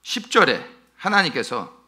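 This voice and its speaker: A man preaching a sermon, his voice pitched a little high and ringing bright. He swings his pitch widely and presses his points home, checking in with the congregation through rhetorical questions. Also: unhurried. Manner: animated, emphatic, asks the congregation rhetorical questions. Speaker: pastor. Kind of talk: expository sermon.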